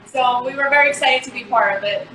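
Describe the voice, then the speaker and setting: A woman in her twenties from Venezuela, chatting upbeat and quick to chime in during an interview on a video call. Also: high-pitched, echoey room, a crowd in the background, low-quality recording. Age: 20s. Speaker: guest, pageant winner. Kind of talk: casual interview answers.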